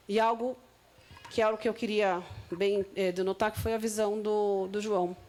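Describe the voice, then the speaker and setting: Brazilian woman preaching, slow scripture reading. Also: mid-range voice. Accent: Brazilian Portuguese. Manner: reads scripture slowly, then explains in loose conversational asides. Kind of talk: sermon with Bible reading.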